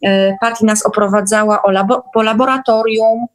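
A woman's voice: medium pitch, steady tone, moderate pace. A woman guest casually recounting experiences in an online meeting, chatty and often seeking agreement.

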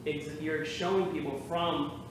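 Male host, fairly high voice, conversational, recorded far off with a lot of room echo. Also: fairly even intonation, measured pace. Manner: chatty, affirming, builds long questions. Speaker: talk show host. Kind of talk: interviewing a guest. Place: theater stage. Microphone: far camera. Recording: echoey stage from far off with noise.

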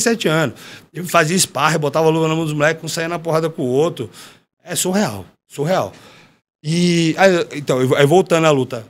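A man, a former fighter, telling a story in casual chat, slangy and animated, acting out what others said. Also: fairly high pitch. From Brazil. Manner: animated, slangy, acts out quoted dialogue. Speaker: podcast guest, former MMA fighter.

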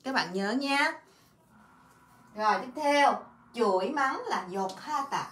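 A woman teaching a Korean grammar lesson in a casual way, explaining in Vietnamese and repeating Korean words and example sentences in quick bursts. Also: high voice, lively intonation, fairly bright tone, echoey room. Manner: refers to herself by her own name and as teacher.

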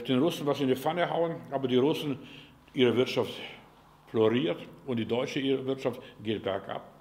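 Fervent preacher man, rhetorical questions. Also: on the high side. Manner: fervent, asks many rhetorical questions, swings between loud and quiet; folksy and direct, speaks to the listener as "du". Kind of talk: sermon.

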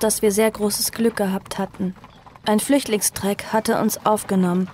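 A woman playing a young survivor who tells her own story in an audio drama, earnest, sorrowful and measured. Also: mid-range voice, darkish tone, slight background noise, lightly acted. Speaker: narrator and protagonist. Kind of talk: audio drama first-person narration.

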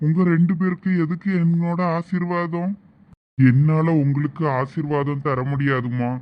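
A man playing a grave older holy man, speaking slowly and solemnly, on a slightly muffled recording. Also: fairly high pitch, flat delivery, lightly acted. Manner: slow, solemn pronouncements.

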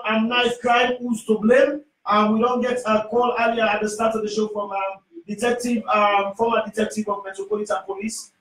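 A middle-aged man with a Sierra Leonean accent hosts a call-in radio show, his voice pitched notably high. He fills his sentences with "um" as he works toward each question. He sounds a little off-mic, with plenty of echo from the small studio. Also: a bit bright, far from the mic. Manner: hesitant, many "um" fillers. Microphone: studio microphone, headphones.

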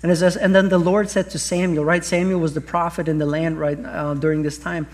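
Here a middle-aged pastor preaches earnestly from a large church stage to an audience, a little fast, in a level tone and a slightly high voice. He has an Austrian accent, and his delivery is full of restarts and rhetorical questions.

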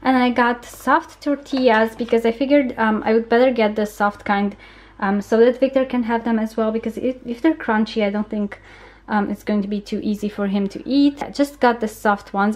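Filming with a handheld camera in her home kitchen, a young woman vlogs in a chatty, informal way, slipping small laughs between remarks. She's a young adult whose voice sits a little high and a little mellow, at a moderate pace.

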